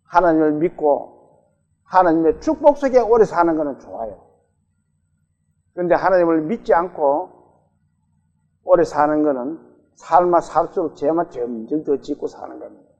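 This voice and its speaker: Lively pastor preaching. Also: male voice, on the high side, normal speed, long pauses. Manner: conversational, asks the congregation questions. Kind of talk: sermon. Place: church sanctuary. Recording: dull, reverberant church recording.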